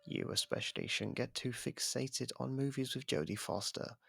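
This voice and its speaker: Man acting as a gravelly, smug jailed killer. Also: mid-range voice, moderate pace, a bit bright, soft background music. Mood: smug, taunting. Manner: drawling, sarcastic, teasing delivery. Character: imprisoned male serial killer, smug, taunting, sardonic, flirtatious. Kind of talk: ASMR roleplay audio drama.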